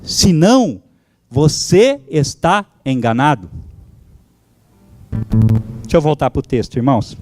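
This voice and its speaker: A high-pitched man whose first language is German delivers a fervent sermon as pastor, crying out to his congregation. Faint guitar music plays softly behind him. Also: sing-song, slow pace, long pauses, no room sound. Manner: fervent preaching with exclamations to the congregation.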